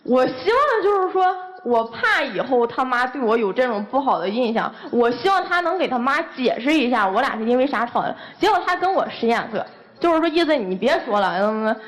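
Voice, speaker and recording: A woman's voice: high voice, a bit bright. A young woman, a guest airing heated, accusing complaints about her boyfriend. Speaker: guest on dating show.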